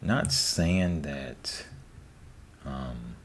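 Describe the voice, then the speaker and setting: A man giving a soft-spoken ASMR ramble, breathy and often near a whisper, informal and repeating himself, close to the microphone. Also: rumbling low, animated, drawn-out words. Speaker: ASMR host. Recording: faint background noise.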